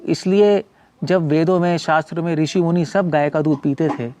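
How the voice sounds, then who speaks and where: Hindi-speaking man, conversational and slightly high. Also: moderate pace, a little mellow. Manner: conversational, repeats words and restarts, mixes English terms into Hindi. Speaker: monk and former medical doctor giving a talk. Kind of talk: casual explanatory talk. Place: cow shelter owner speaking from his farm community.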